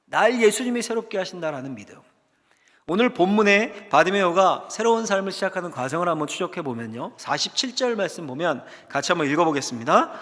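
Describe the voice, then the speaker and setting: A man, a senior pastor, preaching a dramatic sermon in a church sanctuary, posing rhetorical questions and swinging from loud cries to hushed emphasis. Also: sits high, animated, fast talker. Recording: long church-hall reverb.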